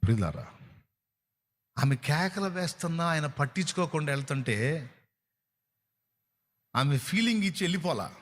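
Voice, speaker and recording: A man's voice: fairly high pitch, very animated, normal speed, pauses often. A man with a Telugu accent preaching a sermon, pressing his point with rhetorical questions and acting out what people say. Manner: emphatic preaching with rhetorical questions and acted-out quotes. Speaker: pastor.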